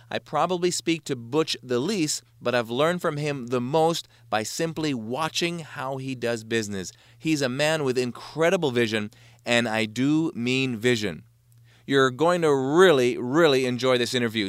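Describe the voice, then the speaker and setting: A man's voice: mid-range voice, clear, resonant tone, no echo, studio quality. A man with a Jamaican accent hosting an interview, reading an upbeat admiring introduction and then asking questions. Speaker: interview host.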